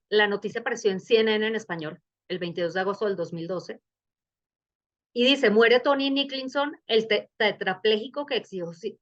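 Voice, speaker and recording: A woman's voice: medium pitch, fairly bright tone, lo-fi sound. A middle-aged woman with a Colombian accent, giving a bioethics lecture in a webinar in a conversational, engaged way that poses questions to the audience. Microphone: video call.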